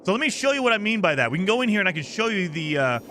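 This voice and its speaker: Racing along in a sing-song, high, pushed and bright voice, a man provides casual live-stream chat and gameplay commentary. Upbeat and chatty, he explains the rules and thanks viewers by name, his voice a little worn and scratchy from days of streaming.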